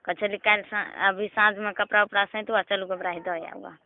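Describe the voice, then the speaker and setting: A woman's voice: medium pitch, steady tone, fairly quick, gravelly. A woman with a Maithili accent chatting casually on a phone call, recounting things by quoting what people said. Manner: recounts household quarrels by quoting dialogue. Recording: tinny narrowband phone line, some noise.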